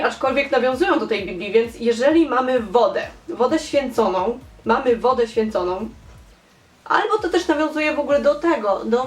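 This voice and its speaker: A young woman chats animatedly as she reads viewer comments, her voice sitting a little high. She piles up repeated words for emphasis. The room around her rings with echo. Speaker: fan theory vlogger. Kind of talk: casual chat reading comments. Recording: echoey room.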